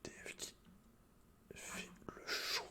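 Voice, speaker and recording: A man whispering casual, slangy, sweary ASMR commentary while he plays a video game, in a breathy unvoiced whisper. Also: slow pace, sharp tone. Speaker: host of an ASMR gaming channel. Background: computer keyboard clicks and typing.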